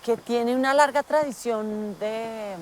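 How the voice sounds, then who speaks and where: A woman from Colombia, a band member speaking briskly and matter-of-factly in a documentary interview. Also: a little high, a little hiss or hum.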